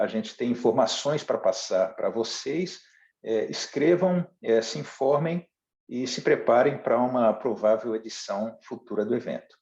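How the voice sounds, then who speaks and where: Man with a dark voice in a roomy room. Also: medium pitch. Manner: halting and formal, with many restarts. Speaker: embassy trade official. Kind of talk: formal webinar remarks. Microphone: video call. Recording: roomy, dull lo-fi call audio.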